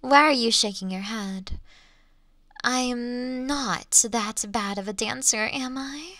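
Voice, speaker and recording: A woman playing an ancient, elegant monster in a Victorian fantasy audio drama, teasing her hunter in archaic, formal phrases with lingering pauses. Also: on the high side, sharp tone, no echo, clean studio sound. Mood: teasing, flirtatious. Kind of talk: slow theatrical roleplay monologue in Victorian fantasy audio drama.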